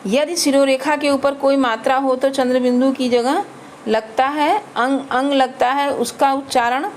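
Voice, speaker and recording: A woman with a somewhat high voice teaches a grammar lesson very slowly, sounding out each letter and example word in turn. Faint background noise sits under the recording. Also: steady tone. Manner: slow, spelling out letters and examples one by one.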